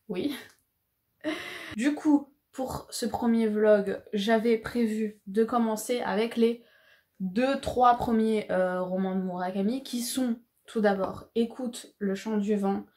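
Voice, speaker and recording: A woman's voice: mid-range voice, warm tone. Chatty woman vlogging about books. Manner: chatty, full of fillers and slang, laughs often. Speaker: book vlogger. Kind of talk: casual chat to camera.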